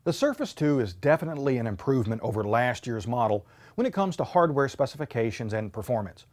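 Guy in his 30s hosting a tech teardown show, clear emphatic delivery, lots of up and down in his voice. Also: medium pitch, expressive, fast, darkish tone. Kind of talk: scripted tech teardown presentation. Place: indoor studio set with shelves.

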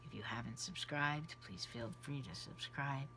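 Slow-talking trans man, voice mid-change. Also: medium pitch, creaky, noisy background. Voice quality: voice in transition on testosterone. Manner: unhurried, often trails off into a near whisper. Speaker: vlogger. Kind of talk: casual chat to camera. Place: small cluttered bedroom indoors. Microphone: camera close at face level.

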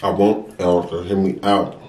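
A young American man chatting casually and earnestly to viewers while eating, unhurried between bites. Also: sits low, flat delivery, dark tone, slight background noise. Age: young adult. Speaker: mukbang vlogger. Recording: roomy, echoey sound.

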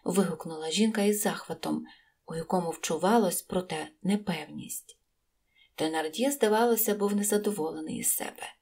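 A woman's voice: on the low side, gravelly, darkish tone, slightly rough. Woman narrating a classic novel. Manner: measured, deliberate storytelling. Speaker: audiobook reader. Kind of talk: scripted narration.

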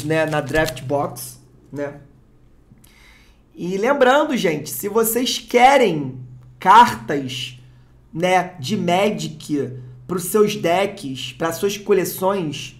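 A Brazilian-accented channel host giving casual unboxing commentary, excitable, swearing and repeating exclamations. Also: medium pitch. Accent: Brazilian Portuguese. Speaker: card-opening channel host.

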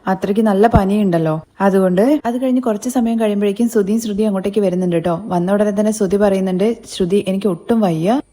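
A woman's voice: mid-range voice, steady tone, fast, hardly any pauses, warm tone. A woman casually retelling a TV serial episode, chatty and addressing listeners with friendly asides as she goes. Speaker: TV serial recap narrator. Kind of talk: casual spoken story recap.

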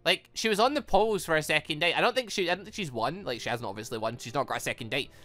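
Animated, bright-voiced gaming commentator. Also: mid-range voice, quick pace, no room sound. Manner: animated, chatty and rambling. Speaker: gaming video host. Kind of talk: casual playthrough commentary. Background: background music.

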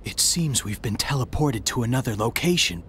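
A man voicing a brooding, stern black hedgehog anti-hero in a video game, speaking gravely and tersely. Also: mid-range voice, lively intonation, normal speed, a bit bright, a little hiss or hum, close to an everyday voice. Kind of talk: video game cutscene acting. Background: background music.

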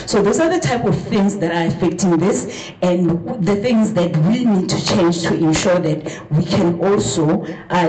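A middle-aged woman with a South African accent gives an emphatic conference talk, often doubling words to stress a point. Her voice sits low and mellow. She speaks into a handheld mic, and the sound rings around a large vaulted hall. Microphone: handheld mic at a lectern, room recording. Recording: echoey hall.

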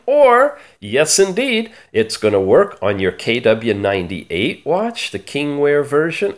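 An animated man with a slightly high voice presents gadget news as a channel host. His pitch swings widely, and he stretches key words with theatrical emphasis. The delivery is upbeat and showy. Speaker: host of a smartwatch review channel.

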